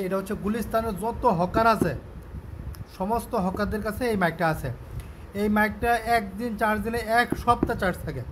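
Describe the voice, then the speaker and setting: A man with a Bangladeshi accent giving a casual product demonstration and sales pitch, explaining step by step and often repeating himself. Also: fairly bright tone, a little hiss or hum. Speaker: shop seller presenting a product on his channel.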